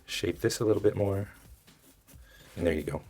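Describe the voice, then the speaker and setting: A man with a very low, raspy voice that sounds hoarse and worn. He guides a drawing tutorial informally, step by step, thinking aloud as he goes. Music plays behind him. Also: moderate pace, warm tone. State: hoarse, losing his voice. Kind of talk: casual step-by-step drawing instruction.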